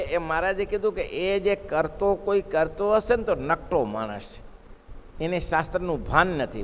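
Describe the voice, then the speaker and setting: A man preaches a devotional sermon in a fairly high voice, hammering his points home with repeated phrases. He keeps turning to the audience with rhetorical questions. The sound rings with the long reverb of a large hall. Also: slight background noise. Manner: emphatic, repetitive preaching cadence. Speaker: preacher giving scripture discourse.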